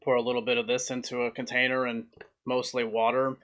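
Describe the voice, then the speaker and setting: A young adult man giving a casual food review to camera, speaking plainly in short, halting phrases. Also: mid-range voice, completely flat delivery, fairly bright tone. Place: small room indoors at home.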